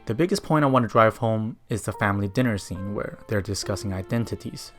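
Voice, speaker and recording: A low-pitched man narrates a scripted film essay. He speaks fluent second-language English in a reflective, personal way, with music playing behind him. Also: a little fast. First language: Mandarin. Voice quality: non-native but fluent English. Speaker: video essayist.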